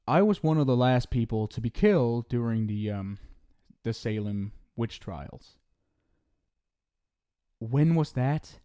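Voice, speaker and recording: A man's voice: medium pitch, mellow. A young man in an ASMR roleplay, scolding the listener in a teasing but caring way. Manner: scolding yet affectionate, playful teasing.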